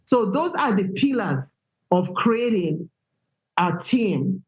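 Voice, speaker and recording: A woman's voice: medium pitch, lively intonation, takes it slowly, rough recording. A woman on a podcast speaking emphatically and repeating her key points. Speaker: guest. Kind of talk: casual conversation.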